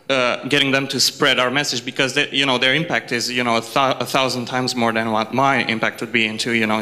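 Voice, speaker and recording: A man's voice: mid-range voice, bright, forceful tone. A man from Romania with a Romanian accent, asking an unscripted question from the audience in a hesitant, rambling way. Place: public Q&A after a film screening.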